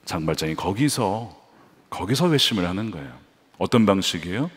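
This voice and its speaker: A male pastor preaching a sermon with animated storytelling and acted-out voices. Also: low-pitched, moderate pace. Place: church sanctuary at a Friday service. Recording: reverberant church hall.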